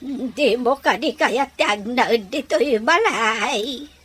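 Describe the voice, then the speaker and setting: Woman acting as sweet old ilocano filipino granny, slow, highish voice, gentle, radio drama. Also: slightly rough, heavily acted. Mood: supportive. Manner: affectionate, slow. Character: gentle, supportive old grandmother.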